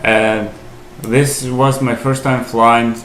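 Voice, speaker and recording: A young man from Albania with an Albanian accent, answering interview questions in halting English as he searches for words. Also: medium pitch, flat delivery, fairly bright tone. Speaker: podcast guest. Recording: echoey room, faint hiss.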